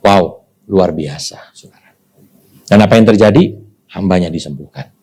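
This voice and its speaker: An Indonesian man preaching from the pulpit, his voice mellow and warm in tone. He moves between calm, low asides and bursts of excitement, and he keeps calling on the congregation to answer him. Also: normal speed, husky. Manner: animated preaching, calls to the congregation. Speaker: pastor. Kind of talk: sermon.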